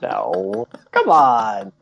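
Gravelly co-host man, dull lo-fi sound. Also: medium pitch, wildly swooping pitch, extremely slow, a bit bright. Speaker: podcast co-host. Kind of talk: casual chat.

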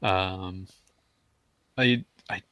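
A man's voice: low voice, fairly even intonation, very slow, bright, forceful tone, dry recording, highs cut off. A man co-hosting a casual gaming podcast, rambling and stumbling over his words, often breaking into laughs. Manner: rambling, stammers on restarts, laughs mid-sentence. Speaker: podcast co-host.

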